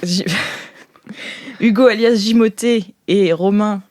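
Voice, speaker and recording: A woman hosting as game master, narrating an improvised tabletop game in a playful, colloquial, halting way. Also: medium pitch, a little mellow, no room sound, clean studio sound.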